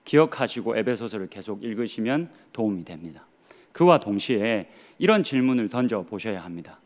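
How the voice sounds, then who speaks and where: A man's voice: mid-range voice, darkish tone. A man in his thirties, a pastor with a Gyeongsang Korean accent, preaching a sermon earnestly with rhetorical questions and dry humor. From Gyeongsang region of Korea.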